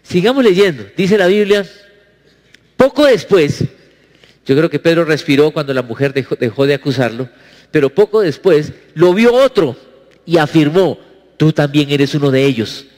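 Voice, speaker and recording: A male pastor preaching a sermon, asking his congregation questions, with sweeping swings in pitch. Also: expressive, normal speed, darkish tone, long reverb tail.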